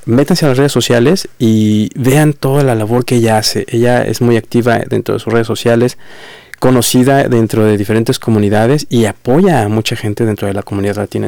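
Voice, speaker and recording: Man, host, effusive, repeats words, dry close sound, mid-pitched voice. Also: gravelly, no room sound. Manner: warm, effusive, repeats words while searching. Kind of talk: interview on a community program.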